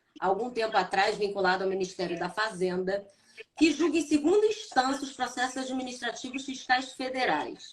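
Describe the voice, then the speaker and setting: Speaking at a fairly quick pace, a woman with a high voice uses lively intonation. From Rio de Janeiro, Brazil. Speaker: tax lawyer and tax appeals board member. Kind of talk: podcast interview explanation.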